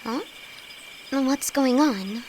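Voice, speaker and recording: Woman acting as timid young female alchemist, audio roleplay, high voice, slow halting delivery, nervous stammer, affectionate, clear insect noise behind. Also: a little mellow, low-quality recording. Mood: alarmed, confused. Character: timid, easily frightened young female apprentice alchemist, affectionate best friend. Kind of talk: intimate audio roleplay acting addressed to the listener. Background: night forest ambience with crickets.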